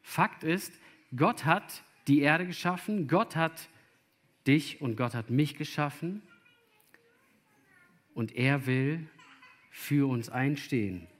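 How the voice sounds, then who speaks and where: A man's voice: a little high, lively intonation, slow pace, long pauses, fairly bright tone. A man preaching a sermon to young listeners, earnest and speaking to them directly. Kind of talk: sermon to children or youth.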